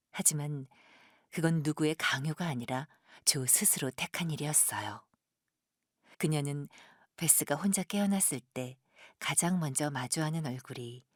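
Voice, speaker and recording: Low, breathy woman narrator. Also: no room sound, clean studio sound. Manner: gentle, measured storytelling. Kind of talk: scripted audio drama narration.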